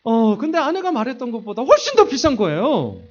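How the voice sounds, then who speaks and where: Animated man telling a sermon story. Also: very high voice, brisk, highs cut off. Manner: animated storytelling, acting out quoted voices; self-deprecating humor. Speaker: pastor. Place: church sanctuary.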